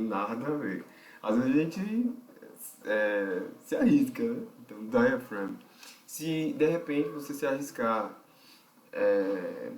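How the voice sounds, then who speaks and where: A man's voice: fairly low pitch, slight background noise. A man with a Brazilian Portuguese accent teaching a vocal technique lesson. He explains step by step, thinks aloud and keeps checking in with the listener. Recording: roomy, distant mic.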